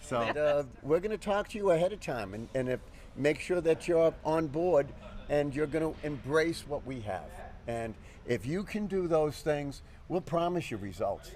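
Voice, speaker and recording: A man talks with lively intonation and a fairly high pitch, keeping a moderate pace in a normal speaking voice. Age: 60s. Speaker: gym owner. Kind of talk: interview.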